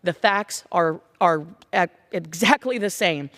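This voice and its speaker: A congresswoman giving a forceful, rhetorical floor speech in a large legislative chamber, building her case with repeated phrases. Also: lowish voice, takes it slowly.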